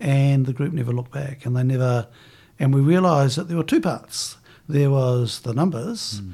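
Speaking with a New Zealand accent, a man has a fairly high pitch, lively intonation, and a dark, mellow, somewhat breathy tone. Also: very clean recording, silent background. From New Zealand, North Island. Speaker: business founder and facilitator. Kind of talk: interview.

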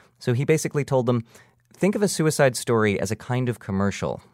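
Speaking at a fairly quick pace, a man has an ordinary speaking voice, medium pitch and lively intonation. The recording is very clean and dry, close with no echo, the background silent. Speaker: radio reporter. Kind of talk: scripted narration.

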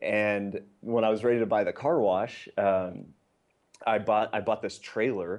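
Against a quiet background, a man with a plain, everyday voice talks at a fairly slow pace, fairly low in pitch, with fairly even intonation. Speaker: business executive. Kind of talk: interview.

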